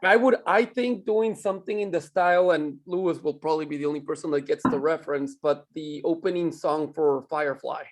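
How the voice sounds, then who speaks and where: A man's voice: on the high side, brisk, hardly any pauses. A man chatting casually with fellow participants on an online group call. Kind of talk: casual chat.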